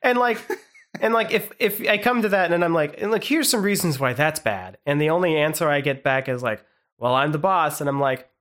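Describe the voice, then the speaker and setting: A man co-hosting a podcast, chatting casually in a rambling, halting way with lots of "like". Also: a little high, animated, a bit bright. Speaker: podcast co-host. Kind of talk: casual chat.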